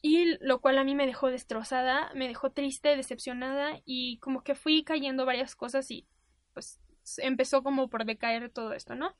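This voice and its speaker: A young woman with a Mexican accent telling a personal story to an audience in a candid, animated way. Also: high-pitched, moderate pace, no echo.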